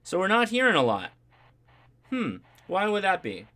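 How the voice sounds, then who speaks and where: A man's voice: high-pitched, wildly swooping pitch, normal speed, pushed and bright. Casual man explaining gear on a livestream. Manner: informal, chatty, explanatory, checks in with "right?" and "okay?". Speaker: host of a ham radio livestream. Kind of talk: casual live demonstration and tutorial.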